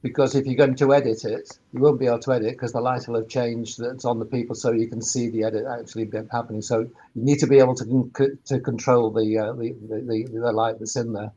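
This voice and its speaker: A man's voice: mid-range voice, level tone, fast talker, few pauses, warm tone, dull audio. A man speaking informally as an expert panellist on a webinar, often repeating words as he explains. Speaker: expert panellist, sound engineer.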